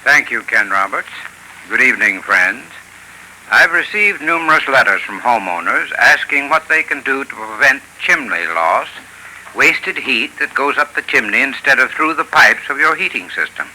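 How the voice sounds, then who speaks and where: A man giving scripted advice to listeners on a 1930s radio program, in a measured, instructive way. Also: medium pitch, expressive, pushed and bright, a little hiss or hum, rough recording. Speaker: sponsor's heating expert. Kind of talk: scripted advertising talk. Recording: old radio broadcast.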